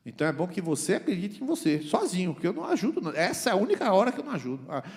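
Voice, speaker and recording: A man preaching a church sermon. He swings from loud, high exclamations to quiet, low asides and keeps asking the congregation questions. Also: huge pitch swings, racing, big-room sound. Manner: talks straight to the congregation with rhetorical questions. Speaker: pastor.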